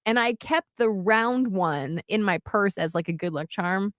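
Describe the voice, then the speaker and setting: Animated woman in her forties, dry studio sound. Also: unhurried, no room sound. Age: 40s. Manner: animated storyteller, jumps into high voices for quotes. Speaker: radio show co-host. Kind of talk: casual chat.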